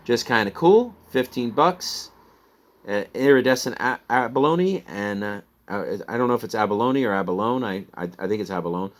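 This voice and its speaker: A Midwestern American man who resells online runs through his recent sales in a loose, casual chat. His voice is medium-pitched and his speed normal, and he keeps talking, rambling and laughing at himself.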